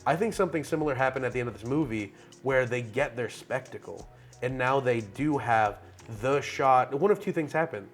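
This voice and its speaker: A man with a raspy voice talking casually and animatedly about a film, in long run-on thoughts full of fillers. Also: mid-range voice, brisk, faint music behind. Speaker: podcast host.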